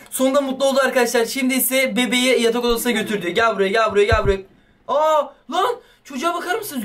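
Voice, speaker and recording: A young man commentating a horror game as a YouTuber, excitable and swearing playfully at the baby. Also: extremely high pitch. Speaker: gaming YouTuber. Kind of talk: let's play commentary.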